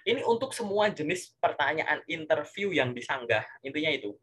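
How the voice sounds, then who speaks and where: A man giving casual career coaching, animated and full of rhetorical questions and filler tags. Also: on the high side, normal speed, breathy edge.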